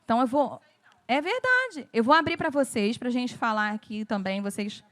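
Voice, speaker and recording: A woman's voice: fairly high pitch, animated, moderate pace, fairly bright tone. A Brazilian woman with a Brazilian Portuguese accent leads a church training talk on children's ministry. She tells stories and acts out the voices of the people in them. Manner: storytelling, acts out quoted voices.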